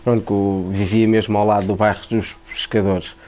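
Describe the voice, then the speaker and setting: An Angolan-born man talks about his painting in a low, mellow voice. He speaks haltingly and often repeats small words as he gathers his thoughts. The tone is that of a relaxed interview. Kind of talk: casual interview.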